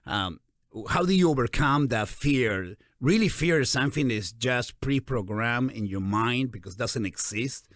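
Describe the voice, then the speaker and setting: A man in his forties with a Peruvian Spanish accent, hosting a casual interview in an animated, encouraging way. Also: mid-range voice, a little slow, dry recording. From Peru. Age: 40s. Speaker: interview host.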